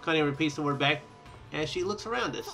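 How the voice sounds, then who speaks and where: A young man with a fairly high, creaky voice speaks at a quick pace as he hosts a casual let's play, with game music in the background. He reads the narration aloud and comments on it, sometimes stumbling over words and going back to reread them.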